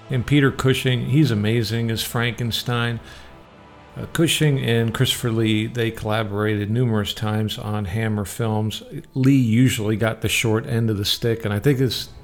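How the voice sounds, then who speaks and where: Man hosting with music behind. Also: on the low side. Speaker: radio show host and film reviewer. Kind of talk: film review commentary, part scripted, part casual.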